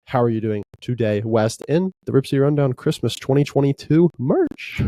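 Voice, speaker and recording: Man with a dark, dry voice. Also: medium pitch, moderate pace, no room sound. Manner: relaxed, rambling with frequent fillers. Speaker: podcast host. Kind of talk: casual sports podcast chat.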